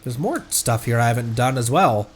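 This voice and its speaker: A game streamer thinking out loud casually while playing, in a live commentary style. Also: mid-range voice, lively intonation, moderate pace, slight background noise.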